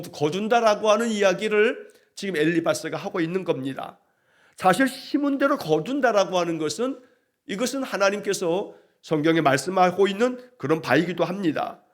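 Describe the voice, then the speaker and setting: A man preaching an early-morning sermon in a fairly high voice. He retells the scripture as blunt, chiding speech aimed straight at the listener. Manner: paraphrases scripture in a scolding direct voice. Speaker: pastor.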